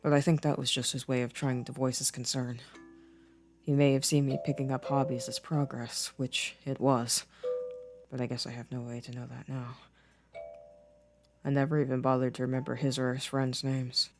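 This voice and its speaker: A man playing a gentle, introspective boyfriend in an intimate ASMR roleplay, soft-spoken with careful, formal wording. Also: mid-range voice, level tone, normal speed, creaky, long pauses, over music, close to an everyday voice. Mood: wistful, reflective. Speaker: audio roleplay voice actor.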